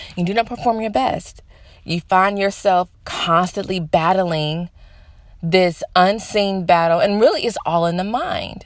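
At a fairly slow pace, a woman talks in a medium pitch with ordinary variation and an animated, bubbly tone. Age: 30s. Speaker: podcast host and hairdresser. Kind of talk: motivational monologue.

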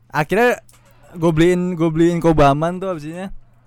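A man's high pitch with ordinary pitch variation at a fairly slow pace. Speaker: podcast co-host. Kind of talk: casual chat.

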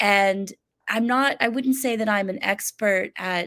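A woman with an American accent has a plain, everyday voice at a medium pitch, in a very clean recording with a silent background. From US. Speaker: math teacher and author. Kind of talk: interview.

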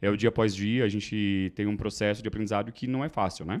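A man races through his words at a very fast pace, the background quiet. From Santa Catarina, Brazil (Balneário Camboriú). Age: 30s. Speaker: interior designer. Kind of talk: interview. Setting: podcast studio at a design exhibition.

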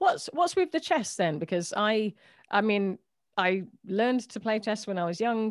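Recorded very cleanly with a silent background, a woman with an English Midlands accent speaks at a moderate pace in a medium pitch. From England, Coventry. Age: 40s. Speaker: podcast host. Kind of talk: casual chat.

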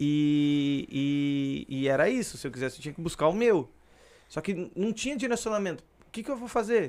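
A man's voice with lively intonation. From São Paulo, Brazil. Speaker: comedian and show producer. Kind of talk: casual chat. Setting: studio.

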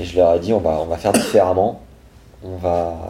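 A somewhat breathy quality rides on a dark, mellow tone. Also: man. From France, Nevers (Nièvre). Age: 20s. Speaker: dating coach. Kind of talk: interview.

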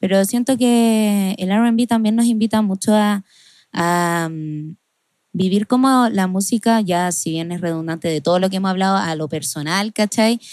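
An ordinary speaking voice moves at a fairly slow pace with ordinary pitch variation, recorded with a dry, close sound and no echo. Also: woman, medium pitch for a woman. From Chile, Pichilemu. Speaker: singer. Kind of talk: panel discussion.

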